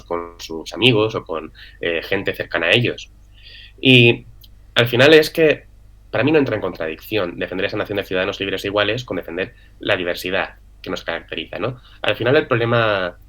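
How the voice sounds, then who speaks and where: A man's voice: low voice, bright, forceful tone. A young man from the Canary Islands, speaking in an interview and arguing his views earnestly, with many fillers and tag questions. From Canary Islands, Spain. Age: young adult. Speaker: interview guest. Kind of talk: political interview answer.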